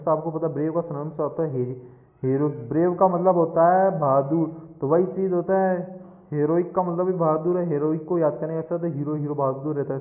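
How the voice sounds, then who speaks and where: A man, explaining exam answers as a coaching teacher, patient and repeating each answer. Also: fairly high pitch. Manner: patient, repeats answers, addresses listener directly. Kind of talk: explaining mock test answers. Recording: echoey, tinny phone-quality audio.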